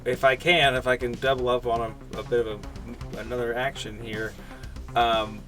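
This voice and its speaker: Male tabletop player, average pitch, casual and hesitant, music underneath. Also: little pitch movement. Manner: halting, thinking out loud. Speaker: player in a tabletop role-playing game. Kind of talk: casual game-table chat.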